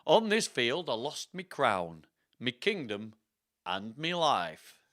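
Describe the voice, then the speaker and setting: A dead king's ghost, acted out by a man, tells his storybook tale in the first person. The delivery is slow and theatrical in a put-on rustic accent, with a bright, forceful tone and broad swings of intonation. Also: mid-range voice, very animated. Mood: brooding, wistful. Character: dead King Richard the third, dramatic rustic storytelling ghost.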